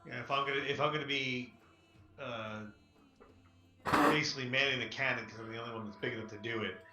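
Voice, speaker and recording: A man's voice: medium pitch, steady tone, quick pace, sharp tone. A man playing a tabletop game, describing his moves casually in a rambling, hesitant way. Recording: dull, roomy, music behind.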